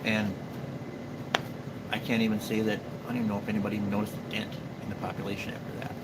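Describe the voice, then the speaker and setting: A man's voice: fairly low pitch, completely flat delivery, quick pace, heavy background noise. A man in his forties with an Upper Midwest accent, chatting casually on a live stream, rambling with fillers and restarts. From Minnesota. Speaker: livestream host and beaver trapper. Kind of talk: casual live stream chat answering viewers.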